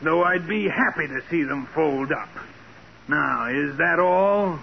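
An actor playing a curt, hostile business boss, impatient and brusque, in 1940s radio drama style. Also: male voice, on the high side, lively intonation, slow, gravelly, exaggerated voice. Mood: impatient, defensive. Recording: muffled, hissy 1940s radio recording.

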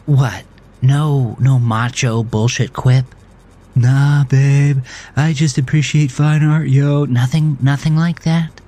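Man voicing a loud, contemptuous woman, pitched up. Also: fairly even intonation, slow, natural voice. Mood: sarcastic. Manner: accusing, sarcastic, louder than necessary. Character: hostile, confrontational woman gym-goer, contemptuous and loud. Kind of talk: audio drama character voice.

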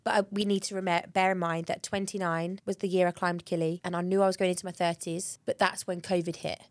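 A woman's voice: lowish voice, flat delivery, fast, no room sound. A British woman in her early thirties co-hosting a podcast, chatting casually, swearing now and then and acting out what people say. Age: 30s. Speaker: podcast co-host. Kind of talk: casual chat.

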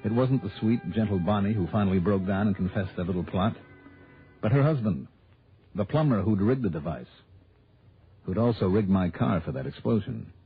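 A man's voice: fairly low pitch, lively intonation, moderate pace. A man playing a confident, wry insurance investigator who narrates a 1960s radio drama. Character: hard-boiled male insurance investigator. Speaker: narrator and lead. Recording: tinny old radio with music.

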